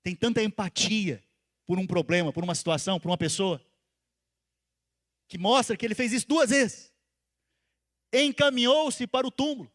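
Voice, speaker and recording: High-voiced pastor preaching. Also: male voice, moderate pace, long pauses. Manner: swings between loud emphatic calls and soft intimate asides; asks the congregation questions and repeats phrases for stress. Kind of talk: sermon.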